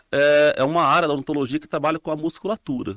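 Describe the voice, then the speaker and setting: A man's fairly high voice at a fairly quick pace, dry and close with no echo, on a very clean recording with a silent background. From Brazil, Minas Gerais. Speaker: orthodontist and professor. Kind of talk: interview. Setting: podcast studio. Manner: fast; animated.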